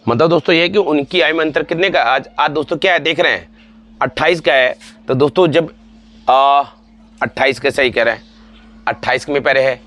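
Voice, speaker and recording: A man's voice: fairly high pitch, fairly bright tone. Male math tutor, forties, patient and repetitive exam-prep delivery, addresses students fondly. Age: 40s. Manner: repetitive, calls students friends and dear ones. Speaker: math teacher.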